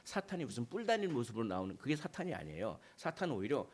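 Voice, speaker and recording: Animated Korean man preaching. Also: mid-range voice, quick pace, slightly rough. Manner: conversational preaching, acts out dialogues with rhetorical questions. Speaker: pastor. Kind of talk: sermon.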